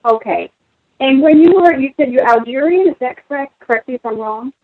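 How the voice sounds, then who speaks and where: A woman's voice: sits high, animated, a little fast, breathy edge, dry recording, narrow, tinny audio. A woman calling in to a radio show, asking direct, probing questions. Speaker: caller. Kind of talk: call-in question.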